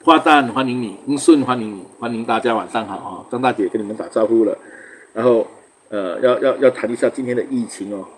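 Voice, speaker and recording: A man's voice: medium pitch, a little fast, a little hiss or hum. A man from Singapore hosting a casual livestream, chatting loosely, greeting viewers by name and laughing often. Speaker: livestream host.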